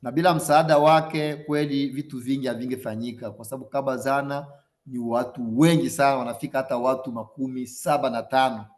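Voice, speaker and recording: A man's voice: medium pitch, steady tone, a little fast, darkish tone. A man works as an interpreter on a video call, steadily relaying each passage after the host. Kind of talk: interpreting a webinar.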